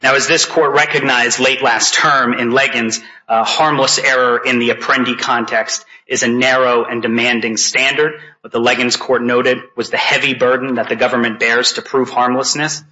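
A man argues formally as an appellate lawyer, deferential to the bench. His voice is bright and forceful at a middling pitch. The audio is dull and lo-fi. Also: level tone, normal speed, hardly any pauses. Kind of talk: formal oral argument.

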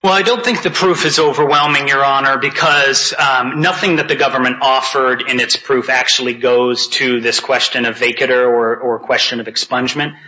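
A man argues formally as an appellate lawyer, deferential to the bench. His voice is bright and forceful at a middling pitch. The audio is dull and lo-fi. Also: fairly even intonation, moderate pace, hardly any pauses. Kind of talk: formal oral argument.

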